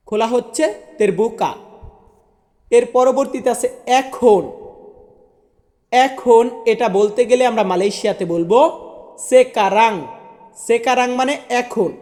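A man with a notably high voice gives an online language lesson. He drills each word slowly and says it over and over. The long room reverb trails behind every word. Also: darkish tone. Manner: slow, repetitive word drilling. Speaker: language teacher.

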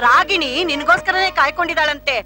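A woman's voice: high-pitched, fast talker, natural voice. An actress playing an older mother urging her son to remarry. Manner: nagging, persuasive.

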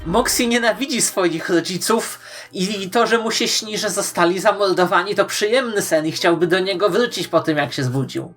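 A woman hosting online fan commentary, playful and emphatic, with dramatic pauses. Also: medium pitch, faint music behind. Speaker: YouTube host. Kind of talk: scripted fan-theory commentary to viewers.

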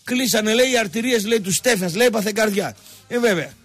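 This man hosts a radio sports show, rambling about football in an animated, mocking way and wandering off on tangents as he tells stories. His voice sits high, and faint music plays behind him through the radio studio microphone.

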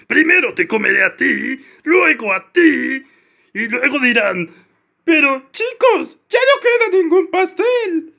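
A man's voice: extremely high pitch, very animated, takes it slowly, creaky, bright, forceful tone, exaggerated voice. A man voicing a big, greedy, gleefully scheming crocodile in a cartoon fan dub, theatrical and gloating.

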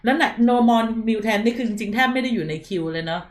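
A woman's voice: fairly high pitch, fairly quick, echoey room, slight background noise. A woman hosting a casual live stream, chatting freely and reading viewer comments aloud. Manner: chatty, reads out viewer chat. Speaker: streamer host.

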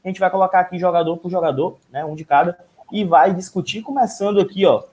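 A man's voice: high-pitched, fast talker, darkish tone. A man in his thirties hosting a casual live sports talk over a video call. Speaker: host. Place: room at home, indoors. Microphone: wired earphone mic on video call.

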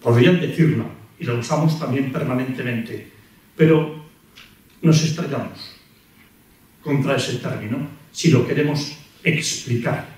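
A man in his sixties with an accent from Spain, lecturing in a deliberate, rhetorical way with repetitions and pauses. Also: medium pitch, darkish tone. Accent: Spanish from Spain. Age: 60s. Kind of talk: philosophy lecture to an audience. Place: lecture hall at a table. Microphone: gooseneck table microphone. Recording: very echoey hall, distant miked voice.

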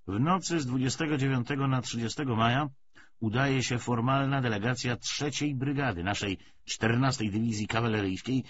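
Man acting a cynical, emphatic Bolshevik official, animated pitch. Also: natural voice. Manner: emphatic, hesitating, rhetorical. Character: chain-smoking male Bolshevik official, persuasive, cynical, weary. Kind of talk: dramatised audiobook dialogue. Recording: dull lo-fi audio, faint noise.

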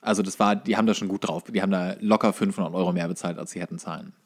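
A podcast co-host with a low, steady voice races through casual bar anecdotes, often repeating and correcting himself along the way.

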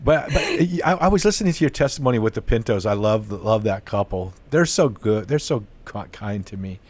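An older man with a lowish voice hosts an interview show from his book-lined home study. He speaks earnestly into a close studio mic, often stumbling and restarting his sentences. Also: expressive. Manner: earnest, halting with frequent restarts. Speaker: host. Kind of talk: podcast interview. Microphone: studio mic on boom arm, headphones.

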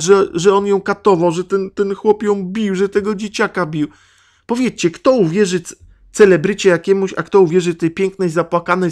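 A man from Poland hosting a podcast, delivering an angry, sarcastic monologue full of swearing and rhetorical questions. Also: high-pitched. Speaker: podcast host. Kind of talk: ranting monologue.

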